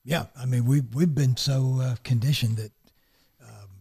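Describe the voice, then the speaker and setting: A man's voice: mid-range voice, fairly even intonation, a little slow, mellow, husky. A man guesting on a podcast as an actor and producer, chatting agreeably. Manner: agreeable, brief interjections. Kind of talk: casual chat.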